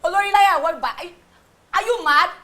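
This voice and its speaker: An actress with a Nigerian accent playing a furious betrayed young wife who shouts, curses and mixes Yoruba with English. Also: female voice, on the high side, lively intonation, rapid-fire. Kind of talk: film drama acting.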